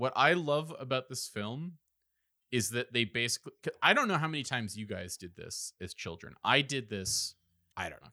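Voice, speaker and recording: On a very clean recording with a silent background and a dry, close sound with no echo, a man speaks at a moderate pace in a bright, sharp tone with lively intonation. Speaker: podcast co-host. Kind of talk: casual chat. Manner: animated.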